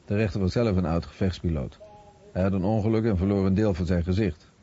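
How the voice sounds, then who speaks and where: A man's voice: deep voice, fast talker, mellow, husky. A man reading a scripted translation as a documentary voice-over. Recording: muffled radio recording.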